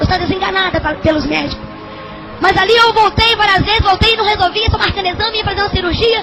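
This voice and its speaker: A woman's extremely high voice at a very fast pace, with ordinary pitch variation and music in the background. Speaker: preacher giving testimony. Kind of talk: testimony.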